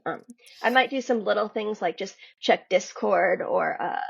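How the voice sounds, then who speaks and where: A woman's voice: mid-range voice, measured pace, creaky, slightly rough. A woman speaking casually as a writer guest on a podcast, on a slightly dull, lo-fi track. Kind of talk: casual conversational interview.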